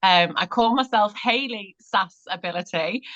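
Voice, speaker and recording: With a Mancunian accent, a woman talks at a moderate pace in a fairly high pitch. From Manchester, northern England. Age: 30s. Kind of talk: podcast interview.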